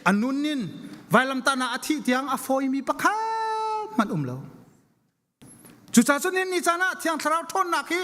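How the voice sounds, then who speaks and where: High-pitched, fervent male preacher in echoing hall. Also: huge pitch swings, normal speed, sharp tone. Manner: emphatic, repeats phrases for stress. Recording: long echoing hall reverberation.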